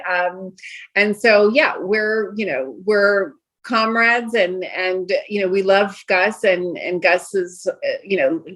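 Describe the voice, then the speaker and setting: A middle-aged woman from Brooklyn, whose was Greek, chatting as a restaurant owner in a podcast interview with many fillers and restarts. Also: lowish voice. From Brooklyn, New York. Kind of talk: casual interview chat.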